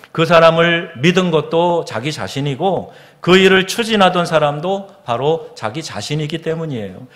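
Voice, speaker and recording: A Korean man, a pastor, preaching a sermon in a church, asking the congregation questions and reading scripture slowly and solemnly. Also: on the high side, fairly bright tone. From South Korea. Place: church sanctuary. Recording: long hall reverb of a church.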